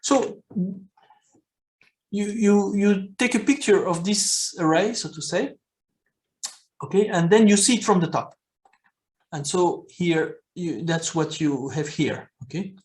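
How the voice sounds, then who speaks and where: A man's voice: high voice, lively intonation, takes it slowly, long pauses, a little mellow. A man with a Belgian accent giving a technical lecture, often repeating words and checking in with "okay?".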